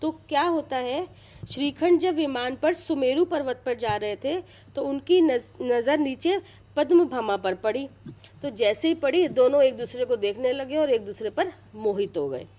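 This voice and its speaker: A woman's voice: high-pitched, animated, moderate pace, dark tone. A middle-aged woman retelling a religious story in a casual, chatty way, often repeating herself and restarting sentences. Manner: chatty, repeats and restarts, checks listeners follow.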